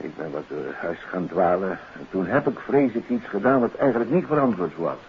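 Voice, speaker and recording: A man's voice: low-pitched, sing-song, a little fast. An actor playing a worried, polite middle-aged doctor and father in a 1950s radio drama, speaking hesitantly and apologetically. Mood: nervous, puzzled. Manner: hesitant, apologetic, often tagging sentences with questioning particles. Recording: noisy, muffled old radio recording.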